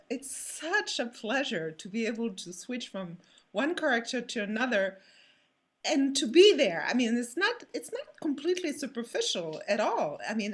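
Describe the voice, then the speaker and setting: Older woman with a lively, higher voice. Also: husky. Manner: animated, expressive. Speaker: actor, interview guest. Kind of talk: casual panel chat about performing.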